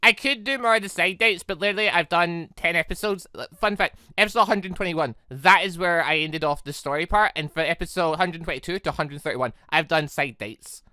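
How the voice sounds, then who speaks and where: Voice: mid-range voice, fairly quick, few pauses, sharp tone, dry recording, clean studio sound. A gaming video host giving casual, rambling commentary, chatty and digressive, often doubling back to correct what was just said.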